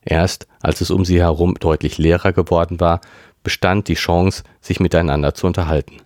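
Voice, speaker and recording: A man's voice: deep voice, fairly even intonation, normal speed, a little mellow, no room sound, studio quality. A man reading a youth novel aloud for a podcast, in an unpolished way, stumbling and correcting himself. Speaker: reader, podcast host.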